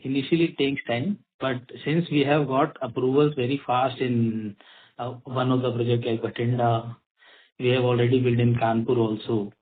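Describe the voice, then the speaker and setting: An Indian-accented man, a company executive, explaining in a halting way as he answers questions on an earnings call. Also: medium pitch, level tone, breathy edge. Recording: tinny phone line with clicks and noise.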